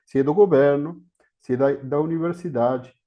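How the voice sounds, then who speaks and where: A man's voice: fairly high pitch, moderate pace, highs cut off. A man from Argentina with an Argentine Spanish accent, giving an academic talk as a guest historian over a video call, hesitant and full of fillers. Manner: hesitant, with many fillers and restarts. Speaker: guest speaker, historian of education.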